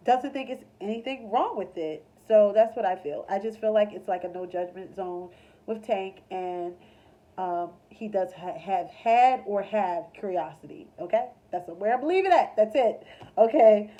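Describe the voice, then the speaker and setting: A woman's voice: mid-range voice, mellow, lo-fi sound. A congested woman doing a casual, chatty tarot reading with a loose, filler-heavy way of talking. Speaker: tarot reader.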